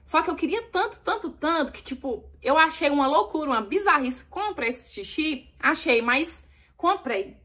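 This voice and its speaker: A young Brazilian woman telling a story to her viewers, animated, acting out the dialogue. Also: high-pitched, normal speed. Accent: Brazilian Portuguese.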